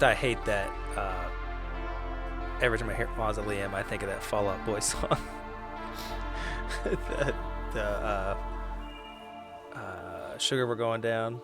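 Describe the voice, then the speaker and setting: A man chatting casually as a player in a tabletop game, with hesitant, halting phrasing. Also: mid-range voice. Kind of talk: casual chat.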